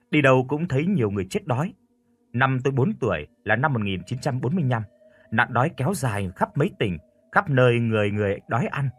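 Husky man narrating a dark story. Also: mid-range voice, dry recording. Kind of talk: scripted first-person horror narration.

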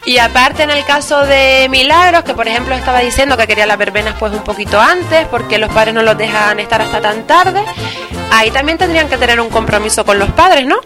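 High-ish woman co-hosting radio. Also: brisk, music in the background. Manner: sums up answers, many "vale"s. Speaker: radio co-host. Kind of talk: local radio chat.

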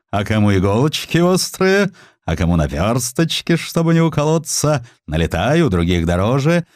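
A man voicing an eager young village peddler in an audiobook, calling out wares in loud sing-song cries. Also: on the low side, no room sound, clean studio sound, pitched above the performer's own voice.

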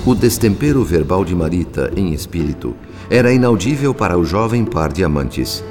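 A man's voice: low voice, lively intonation, normal speed, a little mellow. A Brazilian man giving solemn, theatrical narration for a radio soap opera. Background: music bed.

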